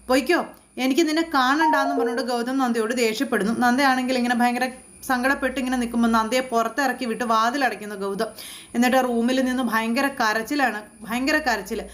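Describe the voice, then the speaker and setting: A woman retelling a TV serial episode in a chatty, animated way, speaking straight to the listener. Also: on the high side. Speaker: serial recap narrator.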